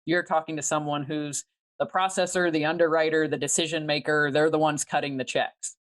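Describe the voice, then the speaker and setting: A woman who is a private money lender, speaking as an interview guest and explaining things clearly and methodically. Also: deep voice, level tone, fairly quick. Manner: articulate, methodical, explains step by step.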